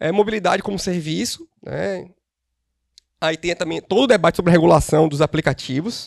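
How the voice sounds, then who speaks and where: A man's high-pitched voice at a fairly quick pace, ordinary pitch variation, dry and close with no echo. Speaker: course lecturer on urban mobility. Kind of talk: lecture. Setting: auditorium with audience and Zoom. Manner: fast.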